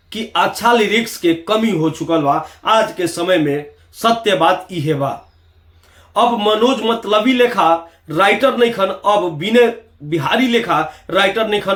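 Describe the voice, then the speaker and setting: Male online commentator, high voice, Bihari Bhojpuri accent, emphatic and rhetorical, roomy echo. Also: a little slow, a bit bright. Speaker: YouTube commentator. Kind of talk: opinionated video commentary to viewers.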